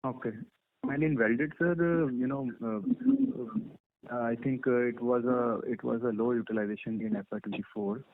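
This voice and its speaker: A man's voice: medium pitch, expressive, moderate pace, vocal fry. A man with an Indian accent politely questioning management as an analyst on an earnings call. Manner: polite, deferential. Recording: noisy, crackly phone line with clicks.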